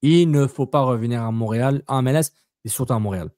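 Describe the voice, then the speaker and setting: A man's voice: mid-range voice, fast talker, warm tone, no echo, studio quality. A man co-hosting a casual soccer podcast, talking bluntly, repeating himself and slipping in English words. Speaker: podcast co-host.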